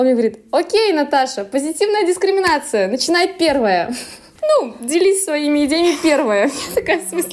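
Noticeable background noise sits behind a woman's voice. She speaks at a high pitch with very wide pitch swings. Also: moderate pace. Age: 30s. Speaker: journalist and graduate student. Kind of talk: casual chat. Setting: in person, together in Antwerp.

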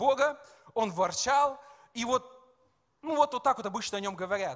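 Animated in tone, a man talks at a moderate pace with ordinary pitch variation. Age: 30s. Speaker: pastor. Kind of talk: sermon. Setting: stage with audience.

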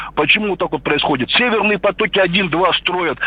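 Over noticeable background noise, a man speaks fairly quickly at a high pitch with ordinary pitch variation. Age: 30s. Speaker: caller. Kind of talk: angry rant. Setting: phone call. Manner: fast, nonstop.

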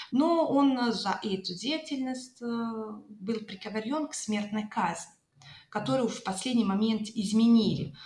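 A woman speaks at a fairly slow pace in a somewhat breathy voice with lively intonation. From Montenegro. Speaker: literature enthusiast, language learner. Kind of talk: casual interview discussion. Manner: hesitant, frequent fillers.

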